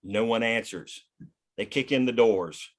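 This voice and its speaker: A man's voice: fairly low pitch, unhurried. A man reading scene headings and stage directions aloud as scripted narration at a table read.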